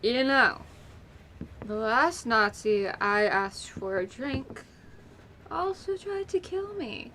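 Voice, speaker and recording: A woman's voice: a little high, animated, slow, sharp tone, slight background noise, full character voice. An actress playing a tough, wry female spy in an audio drama, loyal and defiant. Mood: cold contempt. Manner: wry, hard-boiled, defiant.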